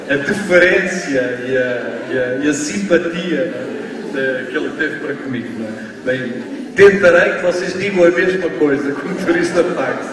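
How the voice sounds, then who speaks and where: A man with a European Portuguese accent gives a university lecture, speaking slowly and stressing his points, often closing them with a quick tag question. His slightly higher voice sounds far from the mic and rings through a large, echoey hall, with faint room noise behind it. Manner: deliberately slow, emphatic delivery with frequent tag questions. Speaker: guest lecturer. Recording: distant, echoey hall recording with faint ambience.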